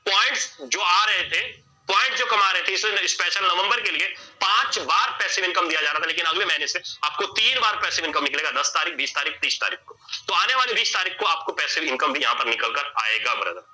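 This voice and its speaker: Male explainer, high pitch, piercing bright tone, repetitive whiteboard walkthrough. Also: expressive, a little fast, soft background music, rough recording. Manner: repetitive, addresses listener as sir. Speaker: presenter explaining an earning plan.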